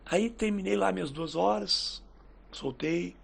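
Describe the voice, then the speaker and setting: A man with a fairly high, husky voice and a gravelly edge tells stories in a relaxed podcast chat. He acts out what people said in lively little voices. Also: unhurried. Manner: lively storyteller who acts out quoted dialogue. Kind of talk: casual podcast chat, storytelling.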